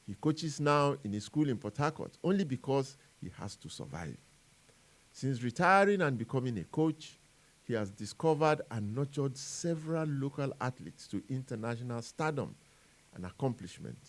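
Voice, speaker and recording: A Nigerian man delivers a scripted radio column in a mid-pitched voice. He phrases things deliberately, leaning on key words and leaving dramatic pauses, like a columnist reading his own editorial. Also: sing-song.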